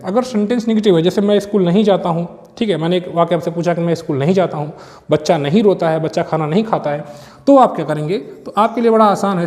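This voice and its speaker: A male teacher giving an exam-prep grammar lesson, explaining step by step and checking that students follow, slowing down to spell out example sentences word by word. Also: sits high, darkish tone, in a large hall.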